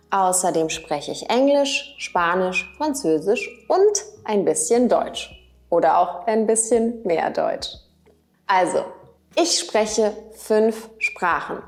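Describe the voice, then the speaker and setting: A woman teaching German, slowly and carefully, repeating each example sentence. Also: medium pitch. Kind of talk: slow, clearly spoken language lesson.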